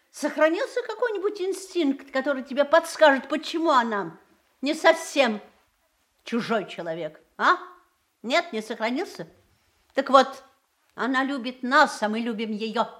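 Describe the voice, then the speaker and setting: A woman's voice: high voice, animated, moderate pace, a bit bright. An actress playing a proud middle-aged wife and mother with a sardonic, controlled, pointed manner in a theatrical audio drama. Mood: firm, reproachful.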